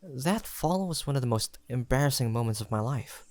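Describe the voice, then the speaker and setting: A man's voice: medium pitch, lively intonation, no room sound, natural voice. A young man playing a tender, teasing best friend turned lover in an intimate romantic audio roleplay, speaking in a hesitant, conversational way. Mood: playful, incredulous. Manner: conversational, hesitant, halting delivery with sighs and soft chuckles.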